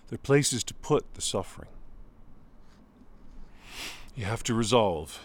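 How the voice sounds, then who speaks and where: A man playing a grieving adult son talking to his father in an intimate, halting monologue whose voice sometimes breaks high. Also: animated. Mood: reflective. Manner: halting, restarts, voice breaking into high strained pitch.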